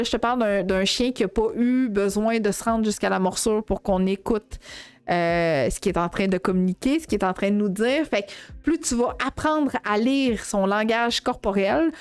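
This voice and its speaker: A woman with a Québécois accent talking through her dog-training show in a relaxed, chatty way. Her voice sits a little high, and she leans on hesitations and corrects herself as she goes. Soft music plays faintly behind her. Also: smooth. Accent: Québécois French. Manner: chatty, heavy on fillers and self-corrections. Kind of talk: casual live-show talk to viewers.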